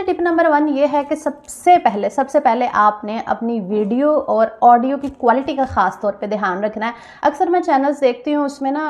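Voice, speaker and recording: Chatty woman vlogger, slightly hoarse. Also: fairly high pitch, a little mellow. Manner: chatty, repeats phrases, addresses viewers directly. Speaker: vlogger giving channel tips. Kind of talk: casual vlog talk. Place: small store room on a rooftop.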